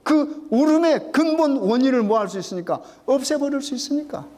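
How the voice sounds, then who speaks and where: A middle-aged man with a high voice preaches a sermon to his congregation. He keeps asking questions, answers them himself, and repeats the key phrases slowly for weight. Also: animated, a little mellow. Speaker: pastor.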